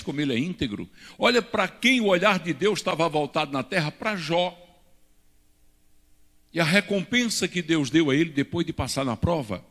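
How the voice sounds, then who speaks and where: Emphatic older preacher in a church hall. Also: male voice, high-pitched, fairly bright tone. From Brazil. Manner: preaching with emphatic rises and hand gestures. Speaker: pastor. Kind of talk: teaching sermon. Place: church stage at a pulpit. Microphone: handheld microphone.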